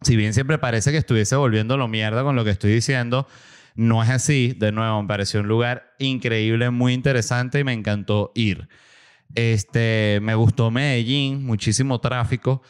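A man hosting a podcast, telling a travel story in a casual, animated way and acting out the people he quotes. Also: normal speed, smooth. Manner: animated, acts out quoted voices with big pitch jumps. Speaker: podcast host. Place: small home studio room.

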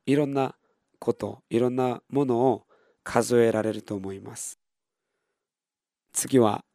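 A man's voice: medium pitch, warm tone, dry recording, clean studio sound. A man teaching beginner in Japanese, patiently repeating each word and modeling pronunciation for counting drills. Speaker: Korean language teacher.

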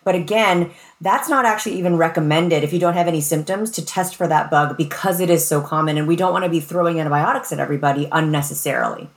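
A woman's voice: deep voice, fast talker, hardly any pauses. An American woman speaking as a medical expert guest, explaining things in an informal, plain-spoken, conversational way.

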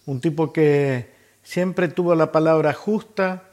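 A man's voice: on the high side, takes it slowly, a little mellow. A man with an Argentine Spanish accent speaking as a radio host, giving reflective tribute commentary.

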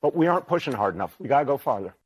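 A man's voice: mid-range voice, sing-song, rapid-fire, breathy edge, low-quality recording. Earnest male politician giving a speech. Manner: earnest, emphatic, persuasive. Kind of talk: public speech.

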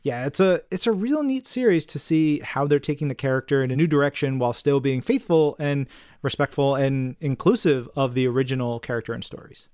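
A man's voice: medium pitch, fairly quick, darkish tone, clear, resonant tone, no echo, clean studio sound. A man co-hosting a podcast, chatting informally and enthusiastically and reading out listener mail. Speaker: podcast co-host.

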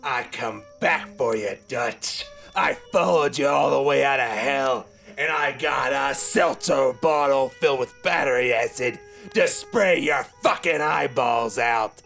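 A man's voice: mid-range voice, unhurried, creaky, a bit bright, faint music behind. A man doing a creepy, vengeful clown. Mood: menacing. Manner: taunting, menacing.

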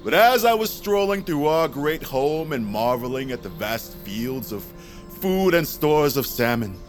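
Audio drama role: theatrical, reverent tribal orator, unhurried ceremonial delivery over clear music. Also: male voice, medium pitch, big pitch swings.

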